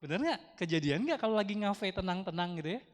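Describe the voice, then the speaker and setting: Male speaker with an Indonesian accent, higher than typical, chatty and engaging with the room, miked in a reverberant temple hall. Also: quick pace. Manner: lively, chatty, asks the audience questions. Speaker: Dharma talk speaker. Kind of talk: casual Dharma talk to a temple congregation. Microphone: handheld microphone through speakers.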